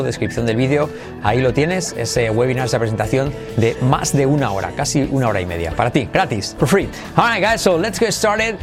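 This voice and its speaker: An upbeat man leads an English pronunciation lesson, his voice sitting a little high for a man. He speaks with energy and slows right down to drill phrases for the listener to repeat. Soft music plays faintly underneath. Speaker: English teacher.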